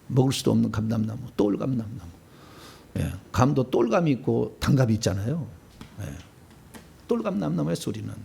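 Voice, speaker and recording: A male pastor teaching a Bible-study sermon, swinging from quiet asides to loud shouted lines and putting questions to his congregation. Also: mid-range voice, vocal fry, slightly rough.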